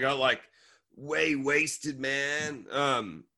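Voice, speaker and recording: A man with an Australian accent has a fairly high voice and a bright, sharp tone. The background is quiet. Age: 30s. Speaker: podcast guest. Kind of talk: casual chat. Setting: video call.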